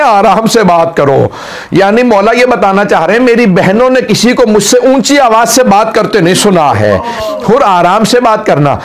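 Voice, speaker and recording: A man recounting a Muharram martyrdom story as a dramatic mourning sermon, building into a wailing chant. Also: high voice. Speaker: religious orator. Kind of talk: Muharram majlis narration.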